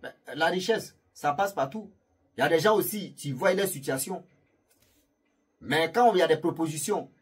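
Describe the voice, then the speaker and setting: A man's voice: fairly high pitch, husky. A man casually telling a story to his viewers, chatty and rambling, laughing at his own jokes and speaking to the audience directly. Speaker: YouTube storyteller.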